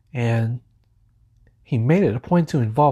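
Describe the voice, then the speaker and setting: A man's somewhat breathy voice of medium pitch, dark and mellow in tone. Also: quiet background. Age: 30s. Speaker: podcast host and church youth minister. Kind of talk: solo casual monologue. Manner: halting, many fillers and restarts.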